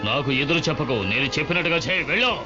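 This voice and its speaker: A man's voice: a little high, lively intonation, rapid-fire, close to an everyday voice. A man voicing an anxious, strict but doting father in a dubbed cartoon, with an emphatic, scolding manner. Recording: dull lo-fi cartoon soundtrack, loud music.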